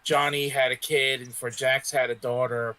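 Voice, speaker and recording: A man on a podcast panel chatting casually, often halting and repeating his phrases. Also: medium pitch, little pitch movement, bright, forceful tone, a little hiss or hum, rough recording. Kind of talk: casual chat.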